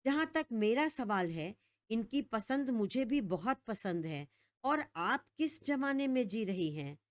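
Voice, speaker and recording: A woman's voice: a little high, lively intonation, unhurried, dry recording, studio quality. A woman reading a stern, arrogant young husband. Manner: curt and stern.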